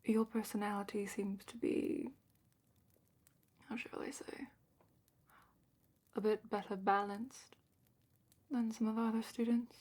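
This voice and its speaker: A woman playing a calm, patient dragon keeper guiding a student, in a gently wry, soft whisper for a fantasy ASMR roleplay, close to the microphone. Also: on the high side, measured pace, pauses often. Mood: gentle, considering. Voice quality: breathy whisper and soft-spoken murmur.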